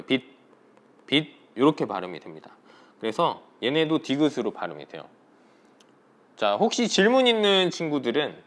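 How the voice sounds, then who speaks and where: A man teaching a middle school Korean lesson, talking directly to his students and asking them questions. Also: fairly high pitch. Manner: lively, talks directly to students and asks for answers. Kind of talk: recorded classroom lesson.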